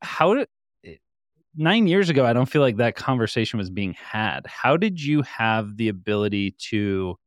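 A man hosts a casual interview show and asks upbeat, friendly questions with easy fillers. His pitch is middling. The recording is dry and close. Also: sing-song, moderate pace, no echo. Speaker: show host.

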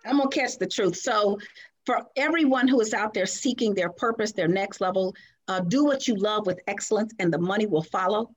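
A woman's voice: medium pitch, a little fast, highs cut off. A woman executive producer, a guest on a talk show, speaking in an effusive, gushing way with many fillers. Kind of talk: casual interview chat.

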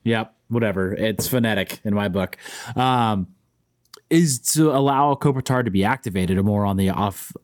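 A man's voice: fairly low pitch, moderate pace. A man co-hosting a sports podcast, giving his casual, off-the-cuff commentary.

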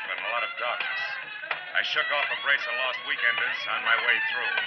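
A man playing a tough, wry private detective in a 1940s radio drama, terse, sardonic and world-weary. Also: mid-range voice. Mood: moody, measured. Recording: dull, noisy vintage radio recording.

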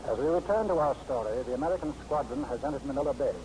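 A man announcing and narrating an old radio show in formal, measured 1940s radio style. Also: mid-range voice, animated, low-quality recording. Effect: old radio show broadcast sound.

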